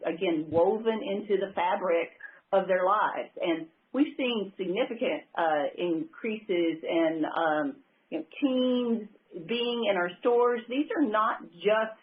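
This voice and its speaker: Woman executive on a tinny phone line. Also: mid-range voice. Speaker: company executive answering investors. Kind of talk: earnings call remarks, semi-spontaneous. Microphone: telephone conference call.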